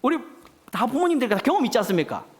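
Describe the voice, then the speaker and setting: Casting: male preacher, wildly swinging pitch, rhetorical questioning sermon style. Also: very animated, fast, slightly rough, in a large hall. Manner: rhetorical questions, acts out a child crying for mom.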